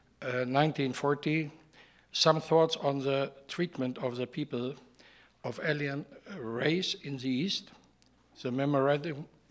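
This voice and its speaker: A man with a German accent speaks fairly slowly at a fairly high pitch, keeping a fairly even intonation and taking long, frequent pauses. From Germany (Cologne). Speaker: architect, city planner and historical researcher. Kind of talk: conference talk. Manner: halting, with self-corrections.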